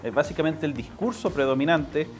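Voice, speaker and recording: A man with a Chilean accent giving conversational political commentary as an interview guest, explaining things haltingly and repeating phrases for emphasis. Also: on the high side, soft background music.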